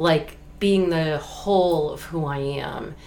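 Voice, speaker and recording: Audible room echo around a woman speaking with normal pitch movement. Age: 50s. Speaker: podcast host. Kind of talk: casual chat.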